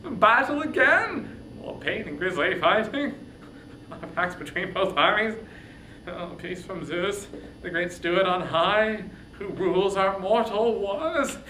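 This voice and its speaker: Casting: a reader as war-weary soldier, groaning with dread, dramatic swings of pitch, roomy epic storytelling. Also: expressive, slow pace, sharp tone, slight background noise. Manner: groaning, plaintive.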